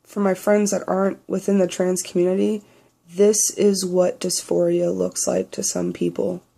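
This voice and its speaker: A young trans man with a naturally high voice he tries to pitch lower, speaking candidly and bluntly in a personal video diary, swearing freely. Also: little pitch movement, normal speed, gravelly, warm tone. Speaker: vlogger.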